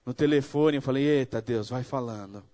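A man's voice: medium pitch, moderate pace. A man from Brazil giving a sermon testimony, acting out the dialogue in his story and building to fervent preaching. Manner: animated storytelling, acts out dialogue.

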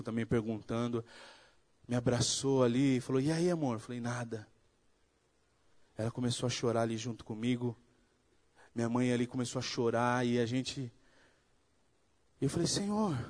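A man from Brazil giving a sermon testimony, acting out the dialogue in his story and building to fervent preaching. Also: mid-range voice. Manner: animated storytelling, acts out dialogue.

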